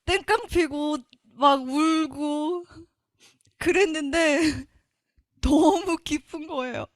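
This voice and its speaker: A woman's voice: high voice, takes it slowly, no room sound, clean studio sound. A woman giving an earnest, emotional Christian testimony. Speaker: testimony speaker.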